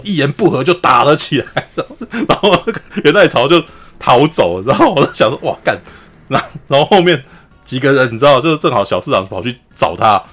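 A man, hosting a podcast. He retells a drama in a chatty, laughing way, keeps asking "you know?", and acts out the quotes in a higher voice. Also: a bit bright. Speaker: podcast host. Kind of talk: casual storytelling recap of a TV drama.

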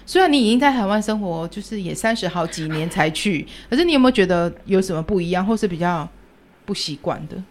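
Animated Taiwanese woman podcast host. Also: medium pitch, quick pace, slight background noise. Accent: Taiwanese Mandarin. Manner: lively, laughs often, asks follow-up questions. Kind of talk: casual podcast chat.

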